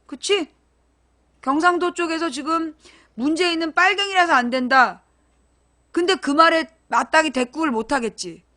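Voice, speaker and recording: A woman with a high voice hosts a live-streamed political talk show. She speaks bluntly and casually, pressing her points and calling on her chat viewers to answer. Her delivery is emphatic and direct. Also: normal speed, pushed and bright. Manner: talks directly to chat viewers, asks them questions; blunt and emphatic, informal speech.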